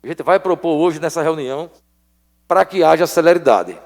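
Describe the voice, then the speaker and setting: A man's voice: on the high side, animated, moderate pace. Emphatic man. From Alagoas, Brazil. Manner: emphatic, repeats points for stress. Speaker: state legislator. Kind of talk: parliamentary floor speech. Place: legislative assembly chamber. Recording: long reverb of an assembly chamber.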